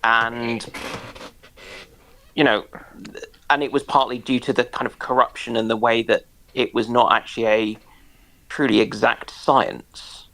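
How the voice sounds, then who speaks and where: A man with a creaky, gravelly voice and a slow delivery. He explains in a casual way, pausing often and carefully hunting for the right word. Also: mid-range voice, little pitch movement, a bit bright, rough recording. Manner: halting, searching for words, careful.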